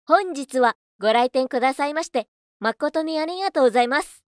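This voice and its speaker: A woman voice actor reading scripted narration and announcements in a clearly enunciated, rehearsed delivery. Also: high-pitched, expressive, a little fast, no room sound, studio quality.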